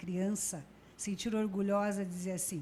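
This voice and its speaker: Somewhat breathy delivery with audible room echo. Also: woman. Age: 60s. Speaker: mayor, retired pharmacist. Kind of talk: podcast conversation.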